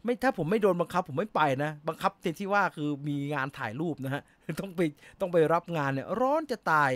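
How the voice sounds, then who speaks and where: A man's voice: sits high, sing-song, brisk, a bit bright, no room sound. A middle-aged man hosting a casual live chat, reading viewer comments and answering in chatty bursts, laughing easily.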